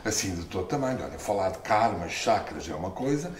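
A middle-aged book author with a European Portuguese accent tells animated stories at a book launch, speaking briskly, gesturing, laughing often and jumping in pitch when excited. A far camera mic captures him in a small, echoey stone-walled room indoors.

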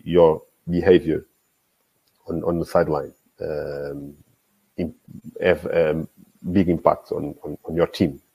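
A man in his forties, a guest football coach, talking in a casual interview over a video call. His speech is halting, full of restarts and repeated words. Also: a bass voice, dark tone, husky, rough recording. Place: small indoor room. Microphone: video call, earphones with mic.

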